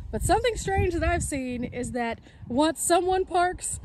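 Here a woman speaks at a moderate pace with ordinary pitch variation, the sound dry with no echo. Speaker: van life vlogger. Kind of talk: casual vlog chat. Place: open country. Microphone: phone near.

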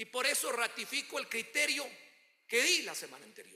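Against a quiet background, a man uses a raised, projected voice at an extremely high pitch. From Ecuador, Tungurahua province. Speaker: legislator. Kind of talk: parliamentary speech. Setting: legislative chamber. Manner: formal. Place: hall. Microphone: podium.

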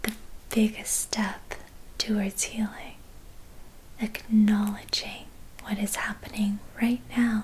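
Whispering from a woman, very slow. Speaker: wellness guide. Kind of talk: guided tutorial. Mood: warm, gentle, encouraging. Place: home room.

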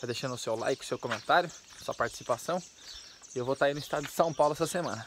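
A quiet man talks at a very fast pace with a fairly high pitch and ordinary pitch variation. The sound is dry with no echo, over light background noise. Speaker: truck driver vlogger. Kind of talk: casual vlog narration. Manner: speaking quietly. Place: open country. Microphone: phone near.

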